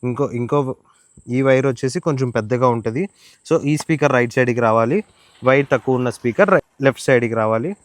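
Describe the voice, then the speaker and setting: Fast-talking man with a Telugu Indian accent. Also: mid-range voice. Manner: informal, explanatory, mixing English words into speech. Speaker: motovlogger reviewing and demonstrating gear. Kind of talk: casual product tutorial to camera.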